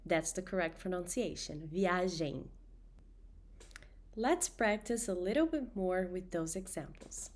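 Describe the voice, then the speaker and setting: A woman with a Brazilian accent, a native Portuguese speaker, teaching pronunciation with deliberately enunciated nasal vowel drills for learners to repeat. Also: lowish voice, expressive, darkish tone. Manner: slow, deliberate enunciation of example words and nasal sounds. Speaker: language teacher.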